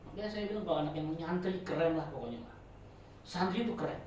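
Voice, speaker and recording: A man gives an informal sermon to a study circle, joking and chatty, his volume rising and falling. His voice sits a little high. He is recorded from a distance in a very echoey prayer room with faint noise behind. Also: fast. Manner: chatty and joking, with lively swings between loud and soft. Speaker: ustadz teaching a religious study circle.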